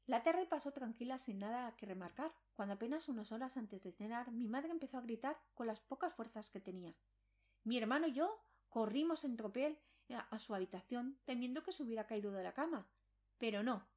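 A woman's voice: fairly high pitch, lively intonation, fairly quick, darkish tone. A woman reading a scripted first-person supernatural horror story as a dramatic narration.

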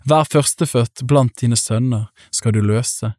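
A man's voice: medium pitch, no room sound. Man reading scripture, dry close sound. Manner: measured, even reading with slowed emphasis on solemn phrases. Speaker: Bible reader.

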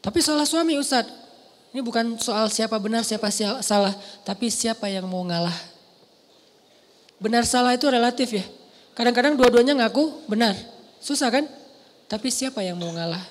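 An Indonesian-accented man preaching a sermon to a mosque audience, telling stories with lively asides. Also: very high voice, moderate pace, long pauses. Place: large mosque hall. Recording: long hall reverb.

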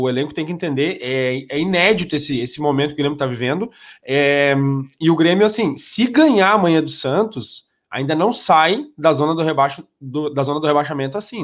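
A man talks sports with a stuffy, nasal voice from rhinitis. He rambles, restarts his sentences and keeps tagging them with questions. His voice sits fairly high for a man. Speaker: sports commentator. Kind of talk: casual sports talk.

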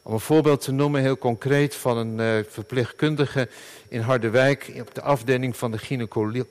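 A middle-aged man, a pastor, preaching a sermon in an earnest, halting way with many fillers and restarts. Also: mid-range voice, steady tone.

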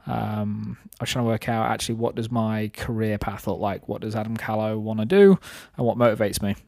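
A man's voice: on the low side, fairly quick, vocal fry, darkish tone, dry recording, studio quality. A man of thirty chatting casually on a podcast in a reflective, rambling way, explaining his own thinking. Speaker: podcast host and business owner.

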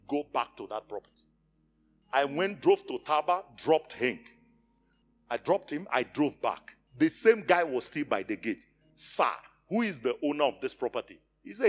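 Animated Nigerian pastor telling a story. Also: male voice, a little high. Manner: animated, acts out dialogue, calls on the congregation. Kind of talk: storytelling sermon.

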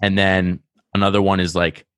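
Over clean, dry studio sound, a low, smooth male voice delivers casual podcast chat at a moderate pace, his delivery flat. He's from Rhode Island by his accent, and he's talkative and eager, going on at length while frequently interrupting himself.

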